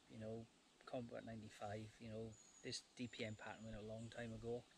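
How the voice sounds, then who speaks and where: A man speaks quietly in a somewhat breathy voice. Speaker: outdoor vlogger. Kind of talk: casual vlog talk to camera. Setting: outdoors in woods. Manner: quiet, lowered voice; hesitant with many fillers.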